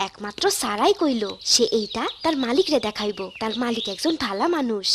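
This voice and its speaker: Woman voicing bright eager cartoon girl. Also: on the high side, animated, a little fast, a little hiss or hum. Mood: narrating. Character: cheerful curious village girl. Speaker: narrator and lead character. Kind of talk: cartoon voice acting.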